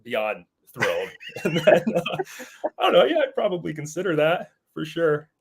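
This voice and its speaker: A man being interviewed as an author guest, slightly raspy from a cold, friendly, laughing easily and repeating words. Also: fairly high pitch, wildly swooping pitch, normal speed, background noise.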